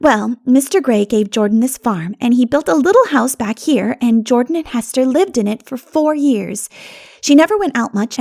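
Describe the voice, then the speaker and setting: A woman voicing a lively, gossipy country girl who tells local tales in an audiobook. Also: fairly high pitch, vocal fry. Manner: animated, gossipy.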